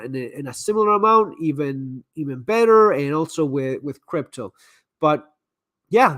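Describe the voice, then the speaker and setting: High-voiced man, halting repeats. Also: no echo. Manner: frequent stammered repeats and restarts; candid, advice-giving. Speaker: live stream host answering viewer messages. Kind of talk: casual live-stream chat.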